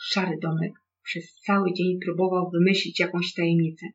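At a moderate pace and middling pitch, a calm narrator reads a children's story aloud. A faint hum runs under the slightly dull, lo-fi recording.

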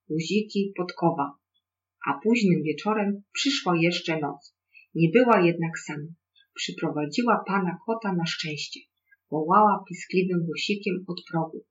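A storyteller calmly reads a children's tale aloud at a middling pitch. The sound is slightly dull and lo-fi, with a faint hum beneath it.

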